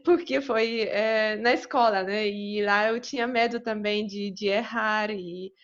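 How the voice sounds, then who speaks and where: A woman's voice: mid-range voice, steady tone, measured pace, lo-fi sound. A Polish woman with a Polish accent, a guest in a video-call interview, speaking thoughtfully with many hesitations. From Poland. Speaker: guest, polyglot.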